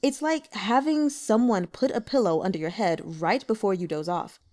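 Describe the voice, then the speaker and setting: A woman voicing a sharp, suspicious male lord who questions his subordinate in a dry, probing way. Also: medium pitch, normal speed, close to an everyday voice.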